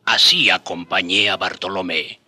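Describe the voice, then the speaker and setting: A man's voice: sits low, steady tone, moderate pace, sharp tone, faint music behind. An actor playing an indigenous man, once a slave, who narrates his memories as a storyteller in a radio drama. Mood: nostalgic wonder. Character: indigenous man, former slave, fondly recalling his travels.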